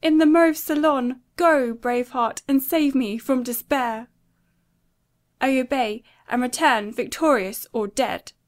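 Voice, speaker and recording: A woman's voice: high-pitched, takes it slowly, voice pushed up. A woman voicing Kate, a young woman telling a romance in a theatrical, swooning manner. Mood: melodramatic.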